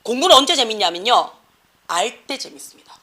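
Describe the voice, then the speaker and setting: Brisk, high-voiced Gyeongsang teacher scolding. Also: female voice. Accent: Gyeongsang Korean. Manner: blunt, animated, slangy, scolding. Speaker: academy teacher. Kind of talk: classroom lecture and scolding.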